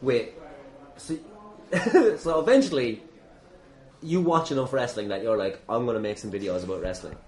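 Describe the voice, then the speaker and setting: A man's voice: mid-range voice, lively intonation, moderate pace, pauses often, a little mellow. An Irish man hosting a podcast as a casual interviewer, teasing, irreverent and prone to swearing. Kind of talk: casual, jokey podcast chat. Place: inside a busy gym.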